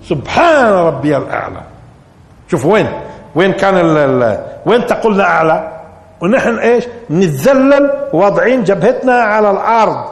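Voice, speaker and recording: A man teaching Quran commentary, putting questions to his listeners and building up to emphatic peaks. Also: sits high. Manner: rising to emphatic peaks, asking the audience questions. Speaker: Islamic scholar teaching Quran interpretation. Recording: echoey hall recording.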